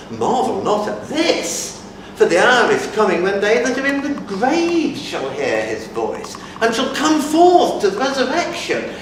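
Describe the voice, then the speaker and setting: A man's voice: high voice, full character voice. A man reciting as Jesus, grave and commanding. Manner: solemn, emphatic declaiming. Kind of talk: dramatic scripture recitation. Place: conference hall. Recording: echoey hall from far off, noisy.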